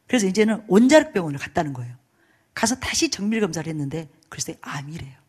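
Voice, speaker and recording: A woman pastor preaching a sermon as a lively storyteller, laughing along and acting out the voices of people in her stories. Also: mid-range voice, quick pace, husky. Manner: animated storytelling, laughing as she goes; acts out quoted voices.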